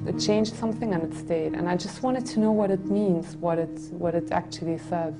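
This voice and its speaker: A woman in her twenties from a Greek family in Germany, calmly recounting her own story in a seated studio interview. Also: lowish voice, normal speed, over loud music. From Greek family, born in Germany. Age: 20s. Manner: reflective, soft, with frequent restarts. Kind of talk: personal testimony interview. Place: indoor studio set with red curtains.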